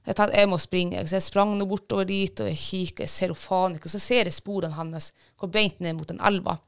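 A woman's voice: fairly low pitch, fairly even intonation, creaky, clear, resonant tone. A woman, a bird dog handler, casually retelling a field trial with many fillers and restarts. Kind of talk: casual storytelling.

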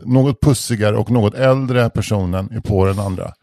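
A man spins a rambling anecdote on a podcast, often restarting his sentences and swearing casually. His voice is mellow and dark. It is recorded dry and close, with no room sound. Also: on the low side, vocal fry, no room sound. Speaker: podcast co-host. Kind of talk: casual chat, anecdote telling.

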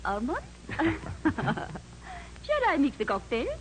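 A woman's voice: high-pitched, wildly swooping pitch, very slow, full character voice. An actress playing a flirtatious, coy French lady with a French accent in a 1940s radio drama. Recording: very noisy old 1940s radio recording.

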